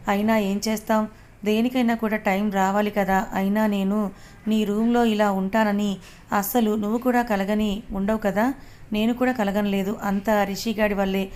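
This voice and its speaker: A woman's voice: mid-range voice, little pitch movement, moderate pace, darkish tone, natural voice. A woman voicing an obsessive young man in a storybook. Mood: leering. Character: young male college student, obsessive, menacing.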